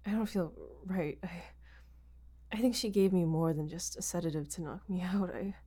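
A woman's voice: on the low side, normal speed, warm tone, husky. A woman playing a drugged, frightened young woman held captive, stammering and sighing as she pleads. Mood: desperate. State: dizzy and drugged.

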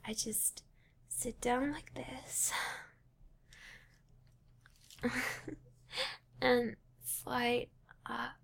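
Young woman, intimate roleplay, high voice with gravelly fry, breathy whispers close to the mic. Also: fairly even intonation, drawn-out words. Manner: teasing, breathy, often whispering. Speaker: audio roleplay performer.

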